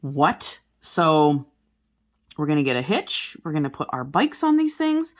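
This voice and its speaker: A woman in her forties with a low-pitched voice chats casually to her audience as a crafting vlogger. She rambles from one thing to the next, full of fillers and self-corrections. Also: big pitch swings, unhurried. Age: 40s. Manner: rambling, many fillers and restarts. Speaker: diamond painting vlogger. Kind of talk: casual chat to viewers while crafting.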